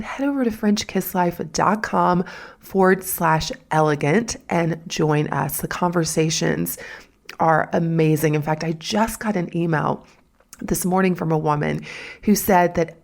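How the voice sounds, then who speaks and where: A woman's voice: on the low side, moderate pace, gravelly, darkish tone. A woman with a Southern US accent hosting a solo podcast, talking in a chatty, folksy way with asides to her listeners. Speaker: podcast host.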